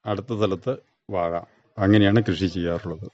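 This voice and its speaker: A man's voice: low-pitched, fairly even intonation, normal speed, a little mellow, dry recording. A man, giving plain, brief, factual answers in an interview as a retired farmer. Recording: dull, muffled radio recording.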